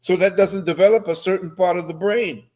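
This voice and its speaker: This older man, a co-host who grew up in Trinidad, speaks briskly in a high, darkish voice whose intonation stays fairly level. He's an emphatic storyteller lecturing with conviction on a relaxed video call picked up by a webcam.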